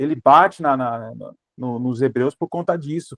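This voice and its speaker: A man at a moderate pace with ordinary pitch variation, in a dry, close sound with no echo. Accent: Brazilian. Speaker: bible teacher. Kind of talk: bible teaching.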